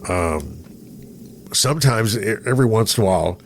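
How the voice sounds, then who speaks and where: Low-voiced middle-aged man, casual podcast host. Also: animated, moderate pace. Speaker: podcast host, former radio programmer. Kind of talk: casual conversational interview. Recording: noticeable background noise.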